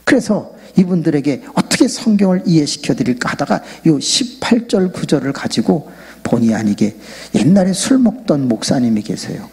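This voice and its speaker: Husky-voiced pastor preaching in an echoing church. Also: male voice, mid-range voice. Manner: jokey, animated, leads the crowd in loud shouted prayer. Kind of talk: lively revival sermon. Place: large church sanctuary. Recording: long reverb of a big church hall.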